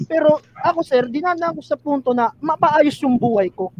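A regular on a casual talk show, this man speaks earnestly in a very high-pitched voice at a moderate pace, addressing the others as "sir." The recording sounds muffled.

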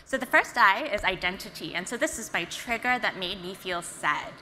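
A woman from Singapore, a founder giving an earnest, energetic conference talk. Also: mid-range voice, moderate pace, a little hiss or hum. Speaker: startup founder and CEO. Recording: reverberant hall, faint ambience.

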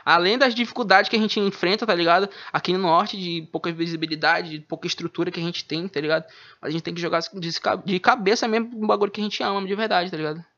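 A man chats as a rapper guest in laid-back street slang. His voice is bright and forceful. The recording sounds dull and lo-fi. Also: sits high, steady tone, fast talker. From Manaus, Brazil. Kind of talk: casual interview chat. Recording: dull lo-fi audio.

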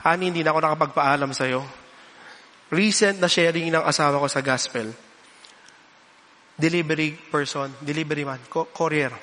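A man's voice: on the high side, normal speed, pauses often, bright, forceful tone, big-room sound. A male pastor giving a sermon, telling personal stories and acting out quoted voices, switching between English and Filipino.

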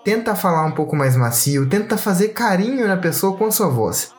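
A man's voice: high-pitched, moderate pace. Slangy Brazilian man chatting on a podcast. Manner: slangy, animated, mimics voices for jokes. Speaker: podcast co-host. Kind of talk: casual podcast chat.

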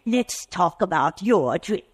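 An actor playing a genteel, fussy agent of death in an old radio drama, eerily courteous and hesitant. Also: male voice, high-pitched, very animated, slow pace, breathy edge, exaggerated voice. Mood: soothing, sinister. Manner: prim, hesitant, soothingly courteous. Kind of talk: 1940s radio drama acting.

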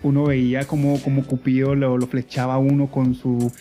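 A man's voice: medium pitch, monotone, normal speed, dark tone, soft background music. A man co-hosting a casual Christian podcast, telling a story with humor and playful voices. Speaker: podcast co-host.

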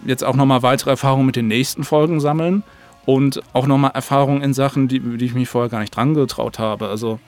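A man's voice: mid-range voice, fairly even intonation, a little mellow, soft background music. Rambling man in casual interview. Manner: rambling, halting, circles back mid-sentence. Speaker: audio drama creator, interview guest.

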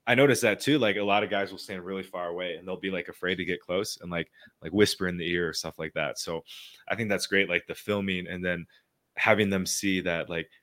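A man co-hosting a podcast, chatting in a jokey, quick, filler-heavy way. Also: deep voice, fairly even intonation, a bit bright. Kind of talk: casual chat.

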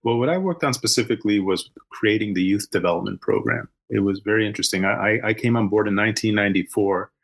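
A man's voice: on the low side, quick pace, gravelly, hardly any pauses. A man in his early fifties, born in Argentina and raised in the US, talking as a guest in a podcast interview with lots of restarts. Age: 50s. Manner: rambling, many restarts and fillers. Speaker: guest, social impact founder.

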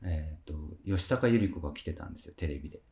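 Very low-voiced man, lively and chatty. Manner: chatty, firm in his opinions, quick comebacks. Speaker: podcast co-host, company PR. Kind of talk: relaxed casual chat.

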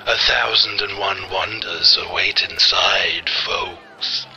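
A man's voice: low voice, steady tone, takes it slowly, vocal fry, music in the background, heavily acted. An actor playing a grandiose carnival barker, delivering florid old-time sideshow patter in a theatrical showman's manner. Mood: grand, enticing. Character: grandiose male carnival barker luring customers.

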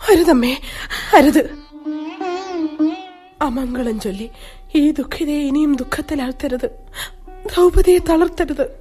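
A grieving young royal wife in a radio play, pleading and earnest. Her high voice is mellow and soft-edged, with a Malayali accent and faint music underneath. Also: measured pace, pauses often. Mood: tearful. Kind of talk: 1970s-style radio drama acting.

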